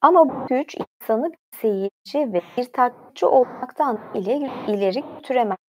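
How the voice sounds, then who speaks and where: On a livestream, a woman reads aloud about mythology in an animated, mellow voice that sits on the high side. She keeps things informal and conversational, frequently pausing to toss in her own comments.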